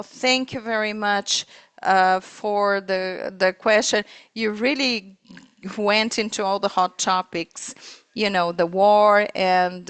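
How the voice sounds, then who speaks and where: Slow, halting woman interpreting live. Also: medium pitch, a bit bright, clear, resonant tone, dry recording. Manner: halting, piecemeal phrasing. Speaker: simultaneous interpreter. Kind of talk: live interpreting of a corporate earnings call.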